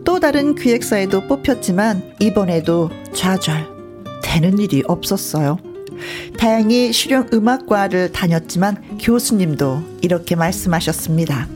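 Woman, scripted narration, measured storytelling, guitar music behind. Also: mid-range voice, expressive.

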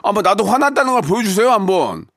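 A man's voice: high voice, big pitch swings, fast talker, no echo, studio quality. Playful man hosting a radio call-in. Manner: playful, teasing, coaching with loud bursts. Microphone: studio microphone.

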